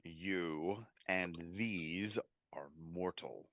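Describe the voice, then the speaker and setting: Man playing a slow, solemn angel guardian, stern and unyielding. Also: low voice, a bit bright, no room sound, dull audio, voice pushed down, heavily acted. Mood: coldly threatening. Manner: solemn, slow, measured pronouncements.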